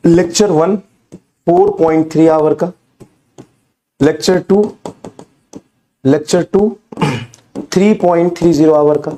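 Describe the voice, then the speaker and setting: A man teaching a recorded online class while ill with fever. His voice cracks, his energy is low, and he repeats himself and coaxes students with rhetorical questions. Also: mellow.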